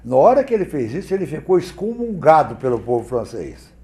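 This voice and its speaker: A man from Brazil, a guest on a TV talk show, demonstrating oratory in an expressive, theatrical way. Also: fairly high pitch, a little fast, reverberant. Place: TV studio.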